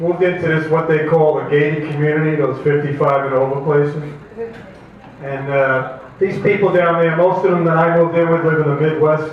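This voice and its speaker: A man with a New York accent talks at a fairly quick pace and fairly high pitch. His intonation is fairly even, with audible room echo and noticeable background noise. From New York City, the Bronx. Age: 70s. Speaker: stand-up comedian. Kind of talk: stand-up. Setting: comedy club stage with audience.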